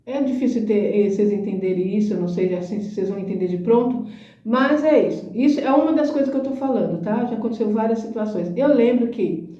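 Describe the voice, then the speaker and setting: Speaking quickly in a mellow, fairly high voice, this middle-aged host recounts a moving personal testimony, often slipping in tag questions. She is distant from the mic, and the recording has a dull lo-fi tone with echo from the room.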